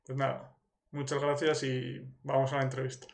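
Host: man from Spain, middle pitch, monotone, encouraging. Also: normal speed, gravelly. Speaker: podcast host. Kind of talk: podcast interview.

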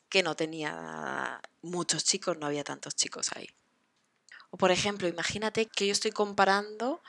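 Expressive woman, low-pitched voice. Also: no echo. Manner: chatty and expressive, with lively laughs. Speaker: podcast host and Spanish teacher. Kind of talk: casual podcast lesson.

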